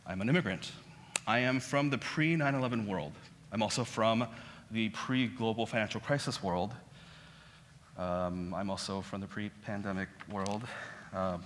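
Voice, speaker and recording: Korean-born man, 30s, guest lecturer, casual and rambling, bright tone, long hall reverb. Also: fairly low pitch, slight background noise. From South Korea. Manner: conversational, self-deprecating, many restarts. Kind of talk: public lecture. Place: auditorium.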